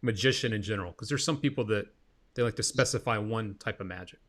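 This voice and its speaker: A man's voice: on the low side, quick pace, fairly bright tone. A man hosting a casual interview, talking in an informal, effusive and slangy way. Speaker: interviewer, show host.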